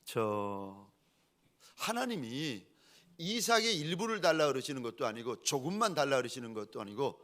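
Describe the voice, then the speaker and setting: A pastor delivers a sermon in a mid-range voice at normal speed, telling stories animatedly and acting out the people he quotes.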